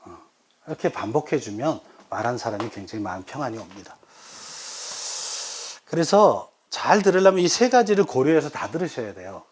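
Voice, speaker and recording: Animated middle-aged Korean pastor lecturing. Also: male voice, medium pitch, a little fast. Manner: animated, acts out quoted voices of children and elders. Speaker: pastor giving a coaching workshop. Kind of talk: lively lecture with acted example dialogues.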